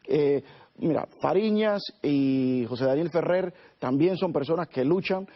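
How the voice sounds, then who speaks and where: A man's voice: on the high side, measured pace, highs cut off. A middle-aged man from Cuba, speaking earnestly as a lawyer guest on a TV interview. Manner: earnest, with frequent "eh" fillers and restarts. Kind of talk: TV studio interview.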